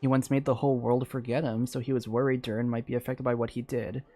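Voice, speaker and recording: Streamer: man, mid-pitched, casual and excitable, thinking aloud, soft game music behind. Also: fast talker. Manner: rambling, excitable. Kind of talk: casual live commentary. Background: faint game music.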